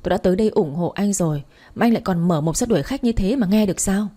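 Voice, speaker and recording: A woman's voice: mid-range voice, animated, fast talker, mellow, natural voice. A woman voicing a drunk, heartbroken young woman who slurs and pleads. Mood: slurring. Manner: slurred, pleading.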